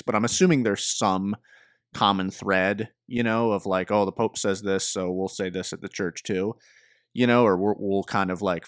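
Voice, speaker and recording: A man's voice: on the low side, fairly bright tone, no echo, clean studio sound. A young man co-hosting a casual podcast chat over a remote call, thinking aloud in a loose, tentative way. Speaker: podcast co-host.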